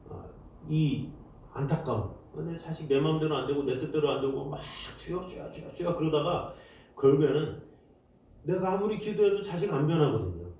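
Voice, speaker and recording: A man's voice: fairly high pitch, expressive, normal speed, warm tone. A man preaching a Sunday sermon as pastor, often acting out cries and prayers in dramatic voices. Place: church sanctuary. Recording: very echoey church hall, mic set far off.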